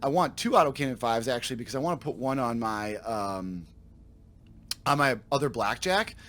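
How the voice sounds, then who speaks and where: A man with a slightly raspy voice from a sore throat, casually commenting on his game for viewers and thinking aloud as he corrects himself. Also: mid-range voice, moderate pace, a bit bright. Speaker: let's play host.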